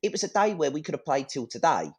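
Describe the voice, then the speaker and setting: A man's voice: a little high, big pitch swings, fast talker, darkish tone, breathy edge. A man talking football as a fan on a podcast, blunt and full of swearing, in a ranting casual style.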